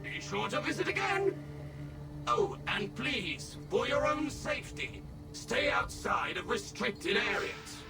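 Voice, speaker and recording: An actor voicing a polite, servile robot tour guide with a smooth synthetic robot voice and evenly measured service phrases, heard from a video game. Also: male voice, very high voice, big pitch swings, exaggerated voice. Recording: game audio with music underneath. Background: game music.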